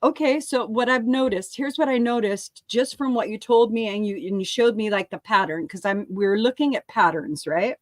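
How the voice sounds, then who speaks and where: A woman's voice: on the high side, normal speed, few pauses, no echo. A middle-aged woman co-hosting a casual talk show, speaking candidly, swearing freely and laughing often. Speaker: co-host. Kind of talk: casual chat.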